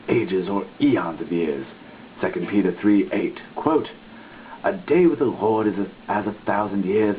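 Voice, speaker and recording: Phone-like recording, low-voiced man reading dramatically. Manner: theatrical, deliberate with emphatic pauses. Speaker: reader. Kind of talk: dramatic reading of a religious dissertation. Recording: muffled lo-fi phone-like sound, background hiss.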